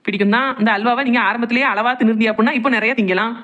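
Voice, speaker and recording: A woman's voice: fairly high pitch, steady tone, a bit bright, highs cut off, lightly acted. A woman voicing a chatty, teasing young village daughter-in-law in a cartoon, coaxing her elders in Tirunelveli Tamil dialect. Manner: rapid, chatty, cajoling dialect speech. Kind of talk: cartoon family comedy dialogue.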